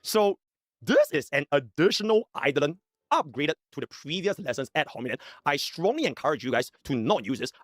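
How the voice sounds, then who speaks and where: A man's voice: on the high side, very animated, moderate pace, no echo, studio quality. A man presenting scripted video commentary in a mock-tutorial tone, played back from a video.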